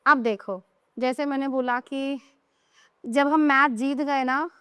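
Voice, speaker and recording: A woman teaching English vocabulary in an explanatory way, often checking whether her students have understood and slowing down to read example sentences. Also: high-pitched, steady tone, fairly bright tone, no echo. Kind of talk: online vocabulary lesson.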